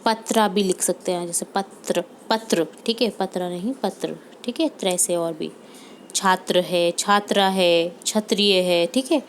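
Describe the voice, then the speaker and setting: Speaking a little slowly in a fairly low voice, a woman takes young pupils through their homework, checking in with them and patiently going over example words again. Slight background noise can be heard.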